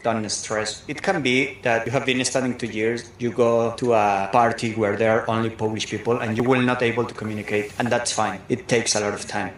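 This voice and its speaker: A man with a lowish voice offers relaxed, encouraging advice. The sound is very echoey, with faint ambience behind him. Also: a little hiss or hum. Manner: encouraging, relaxed, plain-spoken. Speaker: interviewee. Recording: heavy echo, faint ambience.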